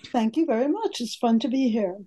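An older woman, a history professor speaking as an interview guest in a halting, self-correcting way. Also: a little high, lively intonation, warm tone, breathy edge. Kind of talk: conversational interview.

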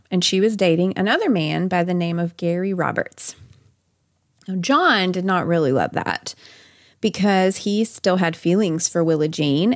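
A woman with a mid-range voice tells a true-crime story as a podcast host. Her delivery is conversational, moving between narration and chatty personal asides. The sound is dry, with no room echo. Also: mid-range voice.

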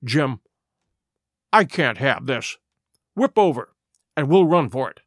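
A man voicing an earnest, principled gentleman doctor. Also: medium pitch, lively intonation, slow, no room sound, clean studio sound. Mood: urgent.

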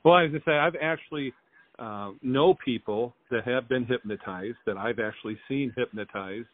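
A man of average pitch hosts a casual local radio interview. His voice comes through thin and narrow, like a telephone line. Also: normal speed. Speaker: radio and podcast host. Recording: tinny phone-like sound.

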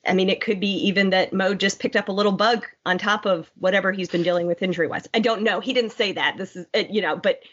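A woman's voice: mid-range voice, fairly even intonation, fast, few pauses, fairly bright tone. A woman co-hosting a casual podcast chat, with a nasal, stuffed-up voice; she hedges what she reports. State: congested from a cold. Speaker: podcast co-host. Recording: dull lo-fi podcast audio.

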